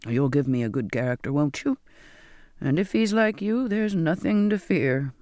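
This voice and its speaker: A man voicing a kindly, earnest Black sailor in an audiobook, with a measured, coaxing, questioning manner. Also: fairly high pitch, animated, darkish tone, dry recording, studio quality, lightly acted. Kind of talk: audiobook character dialogue.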